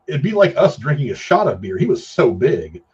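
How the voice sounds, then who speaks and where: A man's voice: mid-range voice, very animated, normal speed, a little mellow, breathy edge, highs cut off. A man co-hosting a casual film chat, telling rambling anecdotes in slangy, profane language. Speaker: podcast co-host.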